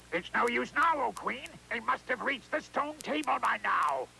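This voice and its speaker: A cartoonish character voice pipes up at a high pitch. Clear background noise runs underneath. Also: moderate pace. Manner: wary, doubtful.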